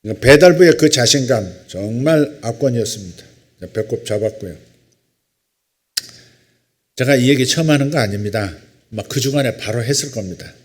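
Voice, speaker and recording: A male pastor preaching a sermon, reading scripture slowly and solemnly, then telling a story in a relaxed, conversational way. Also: mid-range voice.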